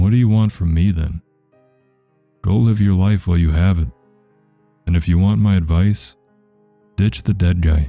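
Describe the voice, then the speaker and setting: A gruff, put-on character voice from a man, very deep and low, at a moderate pace with long, frequent pauses and faint music in the background. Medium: read story. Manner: gruff, terse.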